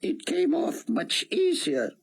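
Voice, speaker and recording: A man voicing a warm, gentle rabbi with a thick Hebrew accent, speaking slowly and courteously. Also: very high-pitched, huge pitch swings, vocal fry, pitched above the performer's own voice, full character voice.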